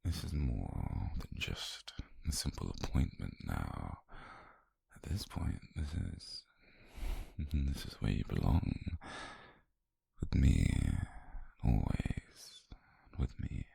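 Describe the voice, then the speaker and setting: Casting: male actor as calm, possessive yandere doctor, British, for ASMR roleplay; dark, breathy, creaky voice, very slow, intimate delivery. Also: a bass voice, no room sound, exaggerated voice. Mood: obsessive, intimate. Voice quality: breathy, husky near-whisper.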